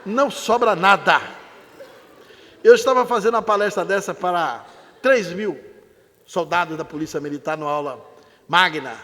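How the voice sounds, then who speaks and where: An older Brazilian man giving a spiritist lecture to a live audience in a large theater, an animated, dramatic storyteller. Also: high voice, normal speed, pauses often. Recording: long reverb of a theater hall.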